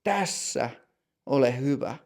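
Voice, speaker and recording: Flustered young bank customer, voiced by the narrator; hesitant, gravelly. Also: male voice, mid-range voice, expressive, darkish tone. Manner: nervous, hesitant. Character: flustered young man opening an account.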